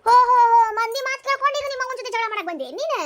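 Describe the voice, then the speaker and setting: Woman doing a squeaky shrill old mother-in-law, north karnataka kannada accent, sarcastic and bossy, talks super fast. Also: animated, bright, forceful tone, full character voice. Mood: defiant. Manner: shrill, sarcastic, defiant scolding. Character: sharp-tongued sarcastic mother-in-law, older village woman. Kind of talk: cartoon comedy dubbing.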